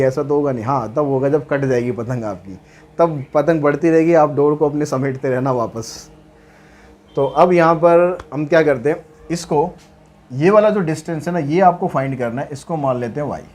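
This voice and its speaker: A man's voice: a little high, a little mellow. A man teaching maths, walking through worked problems in a chatty way with asides and jokes. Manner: chatty, mixes English terms into speech, light jokes.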